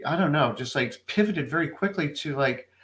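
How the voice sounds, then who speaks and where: A man's voice: a little high, lively intonation, normal speed, fairly bright tone. A man hosting a casual interview, upbeat and encouraging as he asks his guest questions. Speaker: host.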